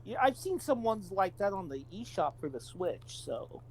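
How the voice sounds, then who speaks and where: A man's voice: high-pitched, sing-song, moderate pace, slight background noise, rough recording. A man co-hosting a podcast in a casual, conversational style. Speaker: podcast co-host. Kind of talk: casual chat.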